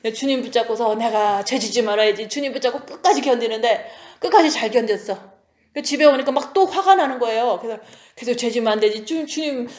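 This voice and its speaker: A woman in her forties preaches in a loose, conversational way, often checking in with her listeners. Her voice sits a bit high, and it carries with a roomy echo around it. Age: 40s. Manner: conversational, keeps asking the audience "right?". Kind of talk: sermon.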